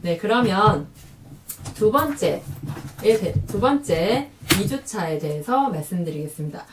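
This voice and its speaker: A woman vlogging about talking with children, chatty and lively, acting out quoted lines. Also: mid-range voice, a little slow, reverberant, far from the mic, background noise. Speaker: parenting vlogger. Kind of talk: casual talk to camera.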